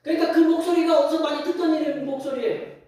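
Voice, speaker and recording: With a very high-pitched, darkish voice and fairly even intonation, a man preaches at a quick pace. His sermon is folksy storytelling, complete with acted-out scenes and questions for the congregation. The sanctuary rings with echo, heard from a distant mic.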